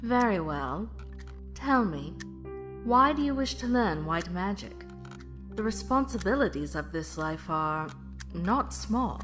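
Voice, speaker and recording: A woman playing a stern, dignified mage mentor in an audio drama, formal, measured and authoritative. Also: mid-range voice, animated, music in the background.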